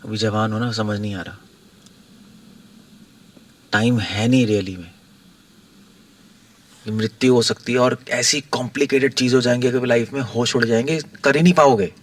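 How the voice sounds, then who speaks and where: A man's voice: medium pitch, moderate pace, pauses often, recorded from a distance. A monk giving informal spiritual guidance in a conversational way, repeating his points and chuckling now and then.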